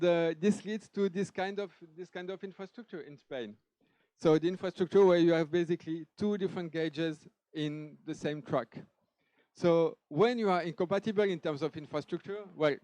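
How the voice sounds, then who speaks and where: French-accented man, conference speaker, fairly high voice, smooth and clear, dry sound. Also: no echo. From France. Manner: lively, with restarts and asides. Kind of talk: technical conference talk. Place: conference hall stage.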